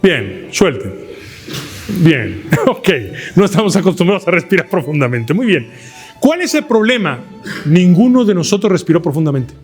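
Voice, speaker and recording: A man with a Mexican Spanish accent leads an oratory workshop in a lecture hall. He talks in a fairly high voice, asks the class questions and breaks into loud demonstration shouts. Faint music plays behind him. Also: big pitch swings, moderate pace. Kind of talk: live workshop lecture to a room. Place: lecture hall with fabric ceiling.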